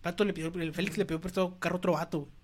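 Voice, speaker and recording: A man, a podcast host telling a story in casual chat, animated and slangy, acting out quotes and sound effects. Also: sits high, racing.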